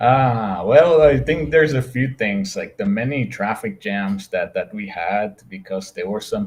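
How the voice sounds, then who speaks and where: A man with an American accent speaks at a fairly slow pace, somewhat breathy and with lively intonation. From New York City, the Bronx. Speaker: immigrant guest. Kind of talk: interview on live stream. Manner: hesitant, many fillers.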